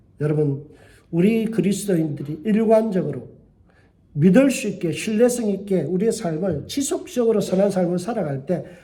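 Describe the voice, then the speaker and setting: Audible room echo surrounds a man with a high pitch and a dark, mellow tone, who uses lively intonation at a moderate pace. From Gyeongsang region, South Korea. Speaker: pastor. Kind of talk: sermon. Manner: sounds angry when voice rises.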